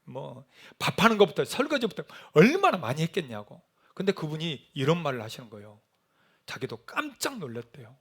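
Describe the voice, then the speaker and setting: Lively storytelling male pastor. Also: on the high side, fairly quick, slightly rough. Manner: animated storytelling, acting out shouted quotes. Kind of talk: sermon.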